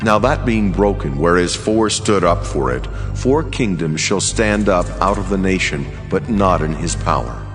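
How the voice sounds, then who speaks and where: Casting: grave prophetic angel for scripture audio drama, very low voice, authoritative and measured, long reverb. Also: male voice, animated, fairly bright tone, full character voice. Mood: grave, foretelling. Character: solemn male angel interpreting a prophetic vision. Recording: long cavernous reverb with music underneath.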